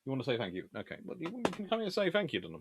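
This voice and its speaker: A man hosting a casual live question-and-answer stream on naval history, chatty and animated, talking in a stop-start way with trailing asides. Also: a little high, racing, noisy background. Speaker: livestream host answering viewer questions.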